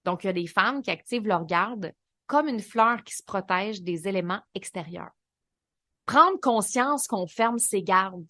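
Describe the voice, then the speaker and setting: A woman with a Québécois French accent hosting a solo podcast, coaching in a lively, colloquial way. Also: mid-range voice, unhurried, dry recording, studio quality. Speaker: podcast host and business coach.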